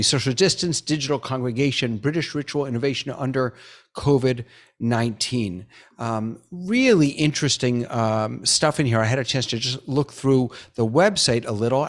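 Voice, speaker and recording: A man hosting a live webinar over a video call, chatty and upbeat with lots of fillers. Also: mid-range voice. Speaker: webinar host.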